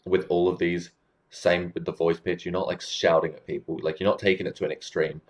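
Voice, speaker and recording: Speaking straight to the camera over lo-fi sound, a very low-voiced man who coaches communication gives easygoing tips. He keeps it plain and explanatory, regularly asking "right?" to make sure the listener is following.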